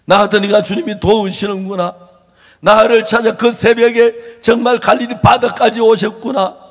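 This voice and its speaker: Male pastor, very high voice, emphatic repetitive preaching, long hall reverb. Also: level tone, moderate pace. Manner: emphatic, repetitive, swinging from loud to hushed. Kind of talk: impassioned sermon.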